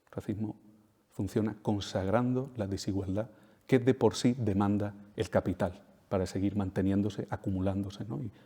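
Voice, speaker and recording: A man's voice: fairly low pitch, fairly even intonation, normal speed, warm tone, slightly rough. A man from giving an emphatic lecture, repeating key phrases and checking in with tag questions. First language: Spanish. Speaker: speaker at a talk. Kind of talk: lecture to an audience. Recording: reverberant hall.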